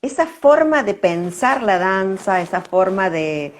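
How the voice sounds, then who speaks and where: An older woman with an Argentine accent reminisces in a conversational interview, reflective, pausing and repeating words. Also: mid-range voice, sing-song. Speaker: interview guest, dancer.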